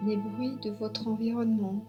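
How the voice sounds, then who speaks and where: A woman guiding a yoga relaxation meditation as an instructor, giving soothing, unhurried instructions with long pauses. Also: fairly high pitch, level tone, lo-fi sound. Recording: soft new-age music behind. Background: new-age relaxation music.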